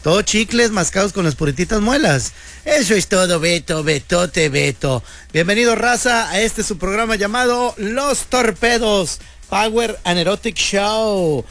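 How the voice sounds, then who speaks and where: A man's voice: high-pitched, animated, a little slow, a bit bright. A man, hosting a radio show in a joking, slangy monologue. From Mexico. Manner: joking, slangy, playful banter. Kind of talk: casual comedic radio monologue.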